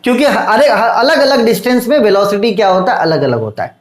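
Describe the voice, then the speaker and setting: A man teaching an engineering exam-prep lecture, loud and intense, fatherly with his students, and dictating definitions slowly word by word. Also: high-pitched, lively intonation, echoey room.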